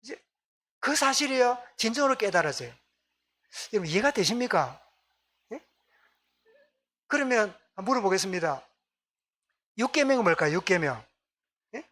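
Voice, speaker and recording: A man's voice: high voice, very animated, normal speed, pauses often, fairly bright tone. A male pastor with a Gyeongsang accent preaching a Sunday sermon, often asking the congregation questions and repeating their answers. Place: church sanctuary.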